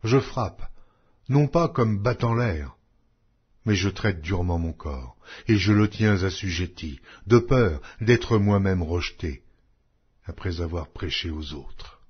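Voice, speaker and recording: A man reading scripture as a solemn scripted narration, measured and declamatory, with emphatic phrasing. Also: sits low, animated, slightly rough, highs cut off. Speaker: narrator of an audio Bible.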